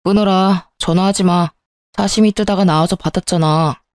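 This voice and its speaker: A woman doing a snappy dismissive husband in a spoken story, curt and bossy, low and a bit distant, mellow tone. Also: fairly even intonation, moderate pace, no room sound, studio quality, lightly acted. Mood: irritated. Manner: curt, irritated, ordering. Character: brusque dismissive husband, adult man.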